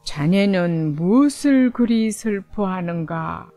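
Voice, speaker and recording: A woman's voice: mid-range voice, animated, slow, dark tone, no room sound, faint music behind, voice pushed down. A woman voicing a stately, white-bearded old male lake spirit in a children's storybook, with dignified, old-fashioned speech. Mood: solemn, kindly.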